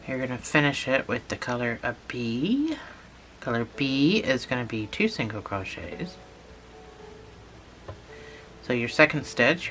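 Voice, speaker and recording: A channel host talking through a lesson step by step, patient and repetitive, a little hoarse from a cold. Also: mid-range voice, sharp tone. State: has a cold, losing voice. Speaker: instructor. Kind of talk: step-by-step tutorial narration.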